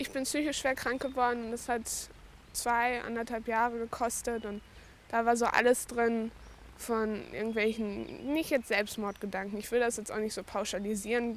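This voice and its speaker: This woman has a plain, everyday voice, pitched fairly high, with fairly even intonation. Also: moderate pace. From western Germany, Ruhr area (near Bochum). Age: 20s. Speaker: interviewee, aspiring actress. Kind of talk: interview. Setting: outdoors by a river.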